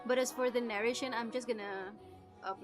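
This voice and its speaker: A woman's voice: on the high side, fairly even intonation, a little fast. A woman streamer chatting casually on a livestream, muttering to herself, exclaiming and slipping in Japanese phrases. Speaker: streamer voicing a visual novel. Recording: music behind the voice. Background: music.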